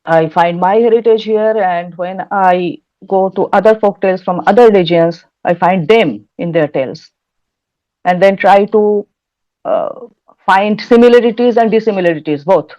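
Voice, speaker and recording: A woman's voice: medium pitch, moderate pace, dark tone. A woman from West Bengal with a Bengali Indian accent, explaining things in an interview and often searching for her words. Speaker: interview guest, folktale researcher and writer. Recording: dull, lo-fi audio.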